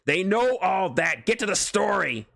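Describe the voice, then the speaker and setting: A man's voice: sits high, sing-song, a little slow, vocal fry, a bit bright, no echo, studio quality, voice pushed up, full character voice. A man voicing a brash, vain, crude wisecracking mercenary antihero in a fan fiction reading, impatient and cheeky. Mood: pushy. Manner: impatient, cheeky, self-aware heckling.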